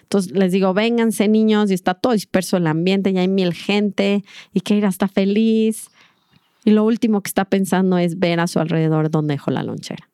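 A woman's voice: mid-range voice, brisk, dark tone, clear, resonant tone, no echo, clean studio sound. A middle-aged woman gives a reflective, earnest talk to an audience about mindful parenting, acting out little dialogues as she goes.

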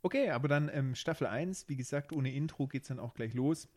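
A man's voice: mid-range voice, brisk, a little mellow. A man co-hosting a casual podcast about a TV series, asking questions and making playful jokes. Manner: joking, asks questions, playful asides. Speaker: podcast co-host.

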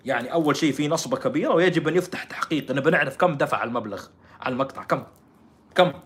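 A man's voice: fairly high pitch, rapid-fire. A man giving scornful, rhetorical political commentary. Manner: scornful, rhetorical, jumps between loud and quiet.

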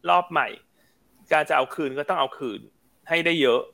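Man, live market show host, chatty, upbeat, rapid delivery, fairly high pitch. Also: gravelly, bright, forceful tone. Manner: chatty, upbeat, asks the audience to write in.

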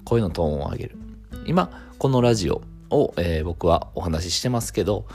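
Man, low voice, lively ups and downs, calm measured talk radio host, faint guitar music behind. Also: creaky. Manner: calm, measured explaining with many fillers. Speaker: clinic owner and radio host. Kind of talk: solo talk radio monologue.

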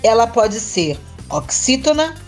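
Slow, clear teacher woman. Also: a little high, very animated, darkish tone, soft background music. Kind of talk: scripted educational podcast.

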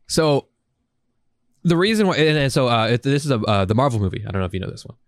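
A man's voice: mid-range voice, sing-song, a little fast, dry recording, studio quality. A man podcasting in a casual, profane chat, rambling and enthusiastic with plenty of slang. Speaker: podcast host.

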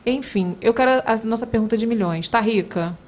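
A woman from Brazil hosting a podcast, talking in a playful, teasing, animated way. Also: a little high, fairly quick. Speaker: podcast host. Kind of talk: casual chat.

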